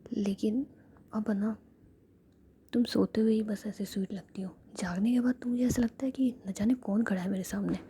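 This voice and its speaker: A woman's voice: medium pitch, steady tone, normal speed, mellow, a little hiss or hum, natural voice. A woman whispering the lines of a teasing, affectionate young woman in a spoken story. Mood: tender.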